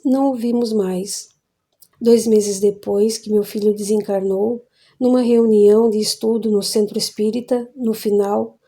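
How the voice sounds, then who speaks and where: A woman narrating an audiobook in a calm, measured reading voice. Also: mid-range voice. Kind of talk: audiobook narration of a spiritist novel.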